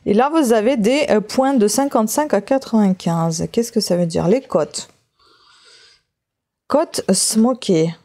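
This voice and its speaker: A woman whose native language is Russian, speaking with a Russian accent. Her voice is mellow and relaxed. She talks informally like a craft vlogger showing an item, pausing and thinking aloud as she goes. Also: medium pitch. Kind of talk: casual unboxing chat while leafing through a book.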